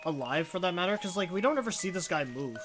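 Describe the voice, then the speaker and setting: A woman's voice: fairly low pitch, expressive, fast talker, music in the background. A woman giving casual commentary as a let's play host.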